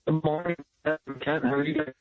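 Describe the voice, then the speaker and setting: A man's voice: on the high side, big pitch swings, fairly quick, creaky, a crowd in the background. A fishing guide calling in from a boat for a radio interview, talking in a plain, easygoing way with many fillers while his phone line keeps breaking up. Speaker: fishing guide and association president.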